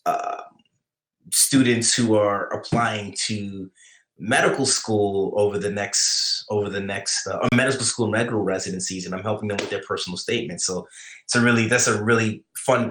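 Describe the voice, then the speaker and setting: A man's voice: fairly low pitch, fairly bright tone. A man with a New York accent, chatting casually on his live writing stream, rambling with many restarts as he answers chat. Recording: echoey room.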